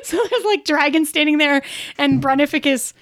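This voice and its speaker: A woman's voice: sits high, moderate pace, a bit bright, no room sound, studio quality. A woman hosting a podcast, chatting casually about a tabletop game in a giggly, enthusiastic way. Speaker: podcast host and game player.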